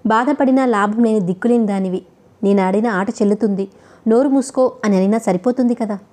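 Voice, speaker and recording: A woman's voice: on the high side, brisk, dark tone, lightly acted. A woman voicing a heartbroken, deceived young bride who speaks in a bitter, accusing way. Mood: furious.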